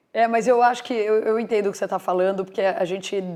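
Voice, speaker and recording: A woman speaks at a medium pitch with ordinary pitch variation in an ordinary speaking voice. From Brazil, São Paulo. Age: 40s. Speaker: podcast host. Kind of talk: podcast interview.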